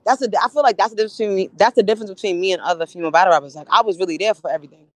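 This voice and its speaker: A woman's voice: medium pitch, racing, no echo. A woman battle rapper, a podcast guest, talking in casual chat and repeating phrases to drive her points home.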